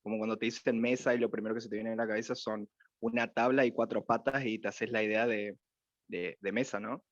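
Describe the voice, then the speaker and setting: Man, student, hesitant, low voice, dull dry call audio. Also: steady tone, fairly quick, dry recording. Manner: hesitant, searching for words. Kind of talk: class discussion.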